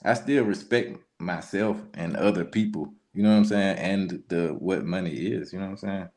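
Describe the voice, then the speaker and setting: A man in casual podcast chat, earnest and expressive, peppering his points with "you know what I'm saying.". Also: deep voice, moderate pace. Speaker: podcast panelist.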